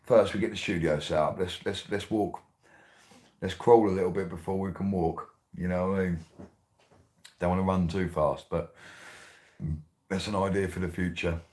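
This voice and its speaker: A man, hosting his radio show in a rambling, excitable way, laughing often. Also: low-pitched, normal speed, pauses often. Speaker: radio host. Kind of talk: casual monologue.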